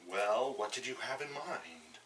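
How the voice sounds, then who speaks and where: A bright, forceful male voice put on by a man for a matter-of-fact planner in a fan cartoon. He explains haltingly, doubling back on words, a little away from the mic with faint noise. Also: mid-range voice, animated. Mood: considering. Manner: hesitant, explanatory, repeats words. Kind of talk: amateur fan-made cartoon voice acting. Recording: slightly distant mic, faint background noise.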